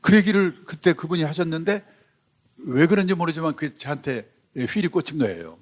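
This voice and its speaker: A man's voice: a little high, animated, fairly quick. A man in his seventies giving a public finance lecture, telling stories in a conversational way with frequent asides. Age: 70s. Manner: anecdotal, conversational storytelling with asides. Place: lecture hall before a live audience.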